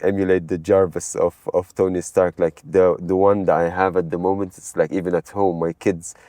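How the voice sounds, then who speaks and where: A middle-aged man from Malta talks as a podcast guest in a low, warm voice. He tells his stories in a rambling, animated way, in relaxed interview chat. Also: normal speed, no echo. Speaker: guest, AI expert.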